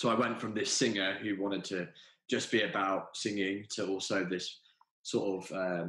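A man with a southern English accent, very deep, low pitch and fairly even intonation. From Oxford, England. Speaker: singing teacher. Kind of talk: casual interview.

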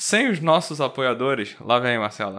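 A man's bright, sharp tone on a very clean recording against a silent background. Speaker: podcast co-host and editor. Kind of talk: casual chat.

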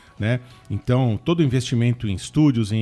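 Here a man speaks at a fairly slow pace in a dark, mellow tone. His pitch variation is ordinary. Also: very clean recording, silent background. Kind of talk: radio interview.

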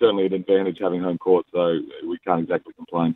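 A man with an Australian accent and fairly even intonation. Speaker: professional basketball player. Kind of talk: interview. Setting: phone call.

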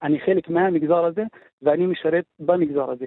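Here is a man with a high voice. His intonation stays fairly even. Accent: Arabic. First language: Arabic (speaking Hebrew). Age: 30s. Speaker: police officer. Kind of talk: radio interview.

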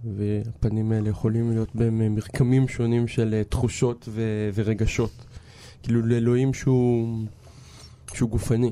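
At a fairly slow pace, a man with a medium pitch and a dark, mellow tone speaks with fairly even intonation. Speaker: radio host. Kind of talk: casual chat. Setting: studio.

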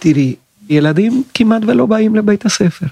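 Somewhat breathy, a man talks at a fairly slow pace with lively intonation in a dry, close sound with no echo. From Venezuela. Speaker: university dean. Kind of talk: interview.

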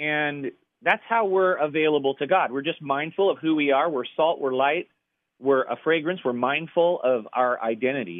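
At a moderate pace, a man speaks at a fairly high pitch. He has a plain, everyday voice with ordinary pitch variation. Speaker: pastor. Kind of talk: radio interview. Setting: remote call.

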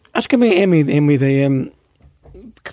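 Fairly high-pitched man with a dark, mellow tone at a fairly quick pace, on a very clean recording against a silent background. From Lisbon outskirts, Portugal. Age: 40s. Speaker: writer and columnist. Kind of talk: interview.

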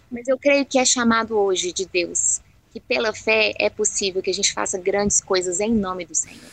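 A woman with a plain, everyday voice speaks at medium pitch and a moderate pace with ordinary pitch variation, in a dry, close sound with no echo. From Bahia, Brazil (Feira de Santana). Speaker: church event coordinator. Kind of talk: radio interview.

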